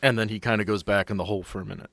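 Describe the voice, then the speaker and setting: A man's voice: fairly low pitch, steady tone, rapid-fire, gravelly, a bit bright, dry recording. A man working as game master, improvising narration for a tabletop role-playing game.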